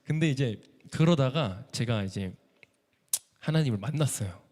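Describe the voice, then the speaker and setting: A man giving an emotional church testimony as a missionary violinist, telling his story with animated feeling. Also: medium pitch, moderate pace. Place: church sanctuary. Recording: echoey church hall.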